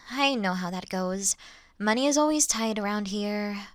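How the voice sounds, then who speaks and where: A woman playing a polite, reassuring vampire who looks like a child, speaking gently to the listener in an audio roleplay. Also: medium pitch, a little slow, no echo, clean studio sound, natural voice. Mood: reassuring, businesslike. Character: childlike-looking ancient female vampire, polite, reassuring, mildly wry.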